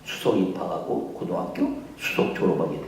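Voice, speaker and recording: Guy pastor preaching, super animated ups and downs, big echoey church, mic kinda far away. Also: brisk, a little hiss or hum. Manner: animated storyteller, swings between loud high voices and low asides. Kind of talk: sermon with acted-out stories. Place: church sanctuary.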